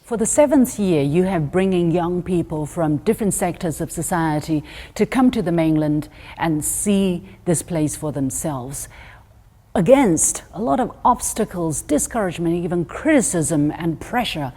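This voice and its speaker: A woman interviewer asking formal, measured questions. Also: fairly low pitch, animated, warm tone, husky. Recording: reverberant room.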